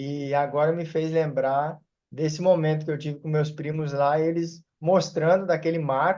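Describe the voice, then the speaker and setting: A fairly high-pitched man with a southern Brazilian accent, dark and mellow in tone, flat and monotone, at a fairly slow pace. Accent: southern Brazilian (gaúcho). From interior of Rio Grande do Sul, Brazil. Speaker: church member sharing at Bible study. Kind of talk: Bible study group discussion. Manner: hesitant, with fillers.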